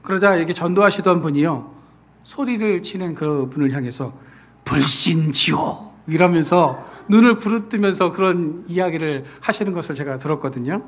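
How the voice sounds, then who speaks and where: A man preaching a sermon as pastor, who acts out quoted people in lively voices and then falls back to a soft, earnest tone. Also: a little high, a little fast. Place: church sanctuary.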